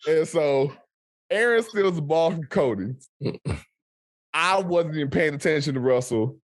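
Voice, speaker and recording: Laid-back guy hosting a podcast, slow talker, kinda high voice. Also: no echo. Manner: relaxed storytelling, drawn-out delivery. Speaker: podcast host. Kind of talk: casual chat.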